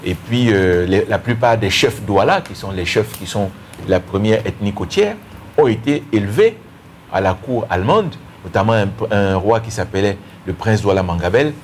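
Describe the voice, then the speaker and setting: Cameroon-born man, Bassa native, low voice, faint background hiss, explanatory guest with restarts. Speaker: guest commentator. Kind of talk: panel discussion.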